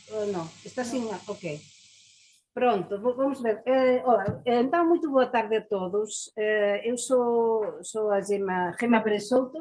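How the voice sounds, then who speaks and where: A woman with a Spanish accent speaks at a fairly slow pace. Her fairly high voice has a dark, mellow tone and ordinary pitch variation. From Galicia, Spain. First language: Galician/Spanish (speaking Portuguese). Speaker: university researcher. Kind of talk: conference presentation. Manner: halting, many fillers and restarts.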